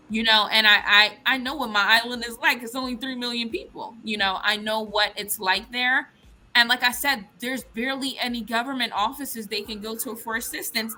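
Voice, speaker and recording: Woman, US-born panel guest, emphatic and frank, bright forceful tone. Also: mid-range voice. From United States. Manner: emphatic, frank, restarts often. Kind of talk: casual discussion.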